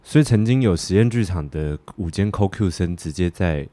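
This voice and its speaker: A man with a Taiwanese Mandarin accent co-hosting a casual podcast chat, telling stories in an animated, joking way. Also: low-pitched, moderate pace. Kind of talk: casual podcast chat about theatre work.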